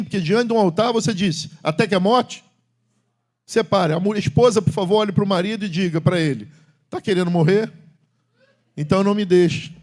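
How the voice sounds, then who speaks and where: Man, middle-aged pastor, church sermon, emphatic then hushed and confiding. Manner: swings from loud emphatic preaching to low confiding talk. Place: church sanctuary.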